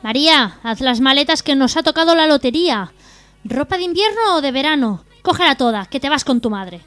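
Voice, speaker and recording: A woman co-hosting a radio humor show, reading jokes aloud in a brisk, even way. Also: sits high.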